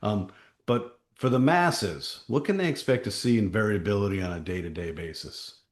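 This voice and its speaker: A man with a deep voice hosting a town hall as a company chief, telling stories with emphatic, punchy short phrases. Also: moderate pace. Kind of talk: conversational town-hall talk with anecdotes.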